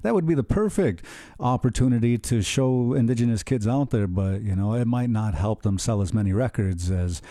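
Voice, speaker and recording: A man's voice: mid-range voice, moderate pace, warm tone, dry recording, clean studio sound. A middle-aged man hosting a radio show, earnest and enthusiastic, talking in long rambling turns. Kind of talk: conversational radio interview.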